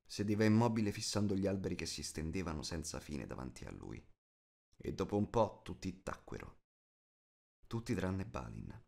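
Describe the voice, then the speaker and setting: Man, audiobook narrator, lowish pitch, scripted storybook reading. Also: sing-song, moderate pace, creaky, darkish tone.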